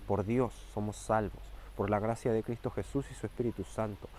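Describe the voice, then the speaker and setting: A man preaching a fervent sermon, repeating key phrases and slowing down and rising for emphasis. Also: on the low side, steady tone, a little mellow, slight background noise.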